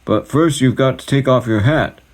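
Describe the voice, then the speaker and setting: A man's voice: mid-range voice, normal speed, voice pushed up, natural voice. A man doing a friendly storybook executioner. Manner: easygoing, good-natured. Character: pleasant friendly male executioner.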